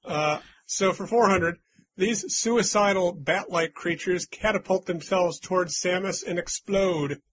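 A man's voice: sits high, a little slow, fairly bright tone, slightly rough, low-quality recording. A man hosting a casual trivia quiz among friends, reading out clues and teasing the players in a chatty way. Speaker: quiz host. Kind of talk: casual game-show chat with friends.

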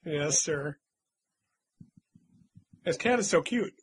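Husky-voiced man hosting a game quiz. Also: fairly high pitch, lively intonation, slow. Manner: reads clues, teasing and chatty. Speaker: quiz host. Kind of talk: casual game-show chat with friends.

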